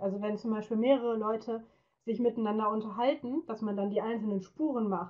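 Against a quiet background, a woman with a fairly high voice talks at a fairly quick pace. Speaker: workshop presenter, media scholar; presenter. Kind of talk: online workshop tutorial. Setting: live video conference with screen sharing. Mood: friendly, encouraging. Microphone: webcam.

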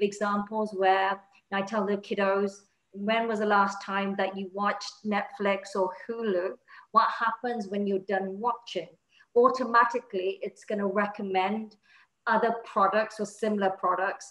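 Against a quiet background, a woman speaks at a moderate pace in a flat, monotone way. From England. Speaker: teacher and AI educator. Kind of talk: teacher training webinar presentation. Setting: video call with screen sharing. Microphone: webcam.

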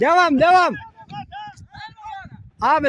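A man's extremely high-pitched voice comes through noticeable background noise. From Afyonkarahisar, Turkey. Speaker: villager filming a match. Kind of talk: amateur football commentary. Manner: lively, animated.

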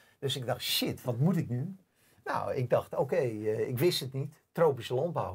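Somewhat breathy, a man talks at a fairly slow pace. The background is quiet. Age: 60s. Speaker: documentary filmmaker. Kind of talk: interview. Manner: halting, many filler sounds. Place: studio.

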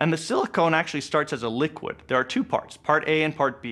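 A man talks with lively intonation over a quiet background. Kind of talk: tutorial. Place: studio.

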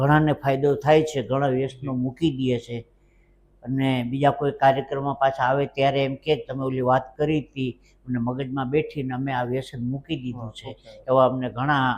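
A man at a medium pitch speaks in a flat monotone. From Saurashtra, Gujarat (Dwarka). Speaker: comedian. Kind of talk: interview. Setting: studio.

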